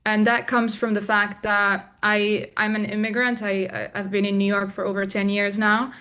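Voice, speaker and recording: A young adult woman from Morocco, a filmmaker guest in an interview, speaking reflectively with frequent pauses and restarts. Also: mid-range voice, little pitch movement, pushed and bright, clear, resonant tone. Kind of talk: interview conversation.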